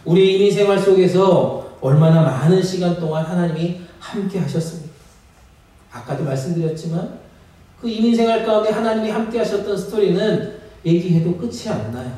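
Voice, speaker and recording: A male pastor preaching a sermon, his fairly high, mellow voice rising to emphatic peaks as he calls out questions to the congregation. The sound rings through a church sanctuary, picked up from a distance. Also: animated, a little fast. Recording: echoey sanctuary, mic at a distance.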